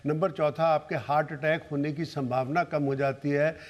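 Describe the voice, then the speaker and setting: A man's voice: on the high side, little pitch movement, moderate pace, muffled recording. A male doctor on a TV panel explaining benefits as a numbered list. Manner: numbered lists of points.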